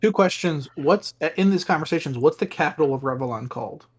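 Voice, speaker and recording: A tabletop game player asking brisk, detail-checking questions in a casual chat. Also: medium pitch, expressive, husky.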